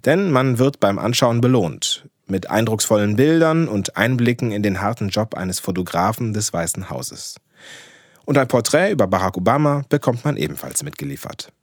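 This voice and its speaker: A man co-hosting a photography news podcast, reading a scripted film review with measured, dry irony. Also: lowish voice, sing-song, no echo.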